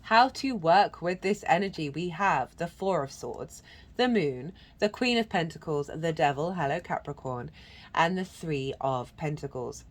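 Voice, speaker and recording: A deep-voiced, expressive woman reads tarot in a channelled style, taking her time and sounding congested from a cold. She meanders earnestly, with many restarts and moments of chanted syllables.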